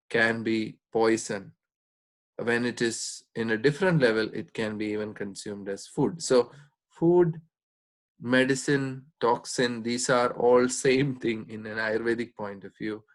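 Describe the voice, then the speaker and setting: A man giving an informal explanatory talk as a doctor, speaking in a measured, hesitant way with frequent pauses. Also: mid-range voice.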